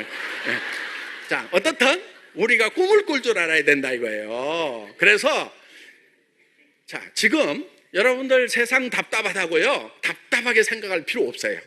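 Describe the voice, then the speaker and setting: A man's voice: sits high, sharp tone. A middle-aged man from Jeolla, a company chairman giving a joking motivational stage speech full of rhetorical questions to his members. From Jeolla, South Korea.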